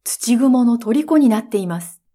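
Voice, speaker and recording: A woman's voice: a little high, lively intonation, normal speed. A woman reading a storybook, voicing a loyal magic white dog that barks and eagerly reports to its master. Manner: loud, eager barking report.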